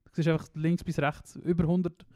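Fast-talking Swiss German man, rambling. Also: fairly high pitch, level tone, mellow, dry recording, clean studio sound. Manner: rambling storyteller, laughs often, trails off mid-sentence. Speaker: podcast co-host. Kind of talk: casual chat.

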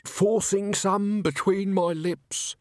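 Narrator as injured male chancer, cheeky and wheedling, high swooping voice, comic audiobook. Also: steady tone, slow, dry recording, studio quality.

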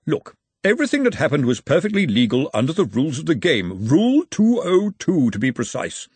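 A man's voice: on the high side, huge pitch swings, fairly quick, darkish tone, breathy edge, no echo, pitched above the performer's own voice, heavily acted. A man voicing a pompous, over-precise male referee in an audiobook. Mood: haughty.

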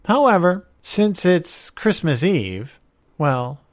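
A mysterious little man from a storybook, voiced by a male narrator. He speaks slowly and deliberately in a raised, swooping voice, wry and admonishing. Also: high-pitched, sing-song, pitched above the performer's own voice, exaggerated voice. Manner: slow, deliberate. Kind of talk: storybook character voice.

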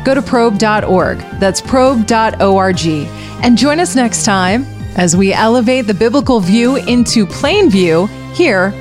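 A woman with a slightly high voice works as a radio announcer, reading a scripted promo. She addresses the listener directly in a conversational way, with music playing faintly behind her. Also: animated, a little slow.

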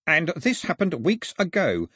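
A man voicing a mild, polite gentleman aide who speaks deferentially and with measured hesitation in an audiobook. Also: fairly high pitch, huge pitch swings, breathy edge, no echo, clean studio sound, voice pushed up, exaggerated voice. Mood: hesitant, factual.

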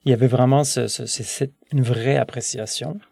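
A man's voice: mid-range voice, steady tone, normal speed, creaky, dark tone, no echo, clean studio sound. A man in his thirties with a Québécois French accent, chatting as a guest and rambling with many restarts and fillers. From born in France, raised in Quebec. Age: 30s. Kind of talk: casual conversation.

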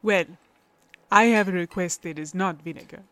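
A woman's voice: lowish voice, moderate pace, a bit bright, lightly acted. A woman playing a feisty, exasperated older motherly figure in an audio story, blunt and indignant. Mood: dry, demanding.

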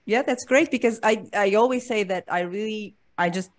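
A woman hosts a relaxed podcast interview over a video call. She talks in a chatty, loose way, laughs often and trips over repeated words as she goes. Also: medium pitch, moderate pace. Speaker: podcast host. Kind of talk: casual interview chat.

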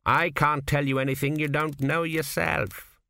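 A man voicing a cynical, crude old ancestor ghost, a former swindler, with a slow, gruff drawl in an audiobook. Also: on the high side, flat delivery, pushed and bright, voice pushed up, full character voice. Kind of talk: audiobook character voice.

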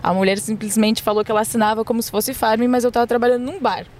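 A woman's voice: fairly high pitch, steady tone, fast, darkish tone. Frank woman telling her story. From Florianópolis, Brazil. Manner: frank, slangy, swears. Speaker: podcast guest. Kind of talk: casual storytelling. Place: outdoors near a beach.

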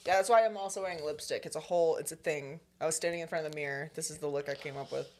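A woman's voice: sits low, rapid-fire, a little mellow. A young adult woman co-hosting a podcast, chatting casually, giggly and teasing, laughing often. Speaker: podcast co-host.

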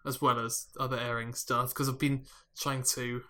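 A British man with a bright, slightly tense voice chats on a podcast. He talks in a halting way, full of ums and small restarts. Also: medium pitch, little pitch movement. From United Kingdom. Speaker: podcast co-host. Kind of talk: casual chat.

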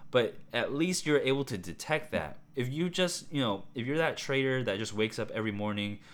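A man hosting a solo podcast, talking in a casual, rambling way with a hoarse, raspy voice and lots of fillers. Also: medium pitch, brisk. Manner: rambling, excitable, many fillers and asides. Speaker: podcast host.

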